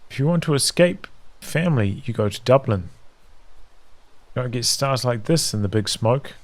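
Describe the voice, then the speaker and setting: A man's voice: medium pitch, animated, moderate pace. A man streaming a read-aloud of a visual novel in a narrative style.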